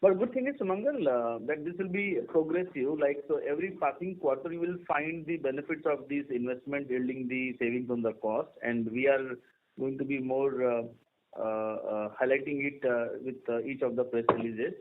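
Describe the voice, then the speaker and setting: A man with an Indian accent, a company executive answering an analyst in halting, piecemeal phrases. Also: medium pitch. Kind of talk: answering an analyst on an earnings call. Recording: tinny phone or radio-like line.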